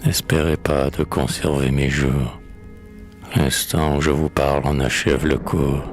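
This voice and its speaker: A man reading a dramatic poem, voicing a dying young prince in a quiet, faltering recitation. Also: extremely low pitch.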